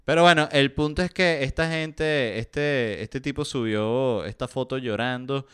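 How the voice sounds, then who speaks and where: Chatty sarcastic man, very clear. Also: medium pitch, a little slow, a bit bright. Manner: chatty and sarcastic, frequent fillers. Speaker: podcast host. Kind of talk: casual pop-culture news chat.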